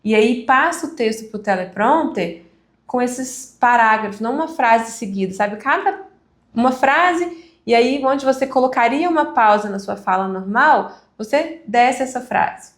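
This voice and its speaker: A woman instructor giving a live online class on speaking, conversational with deliberate pauses. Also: on the high side, reverberant. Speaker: communication instructor.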